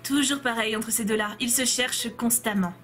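A young woman plays a story game as a let's player, reading every character's dialogue in her own fairly high, fairly bright voice. She speaks at normal speed with fairly even intonation, playfully chatting to viewers between scenes while faint music plays behind.

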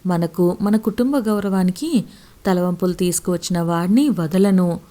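A woman voicing a stern, proud middle-aged village father who scolds and shouts in fury. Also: fairly low pitch, a little slow, close to an everyday voice. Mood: furious.

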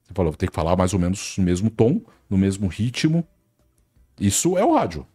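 A man with a Brazilian accent, a TV presenter chatting on a podcast, animated and acting out quotes. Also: low-pitched, brisk, breathy edge, faint music behind. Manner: animated, acts out quotes of colleagues. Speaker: TV sports presenter as guest. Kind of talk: casual podcast chat.

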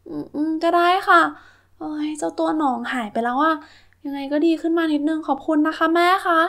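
Lady doing a whiny little schoolgirl doll for a kids toy story, really high, super dramatic. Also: fairly even intonation, a little fast, fairly bright tone. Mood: reluctant, relieved. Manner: exclaiming, complaining, melodramatic. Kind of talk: toy-play children's story acting.

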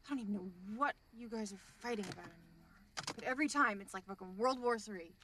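A woman's voice: mid-range voice, quick pace, bright, forceful tone, slight background noise, lightly acted. An actress playing a profane woman in a crew of criminals, laying down the law and telling a crude joke. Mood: stern. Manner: profane, bossy, tells a joke. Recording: voice a bit off-mic.

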